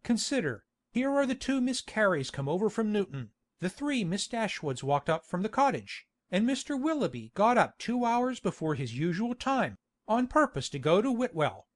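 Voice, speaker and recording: A man's voice: sits high, very animated, moderate pace. A man playing a hearty, pushy country baronet in a dramatised classic novel, blustering and insistent. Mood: persuading.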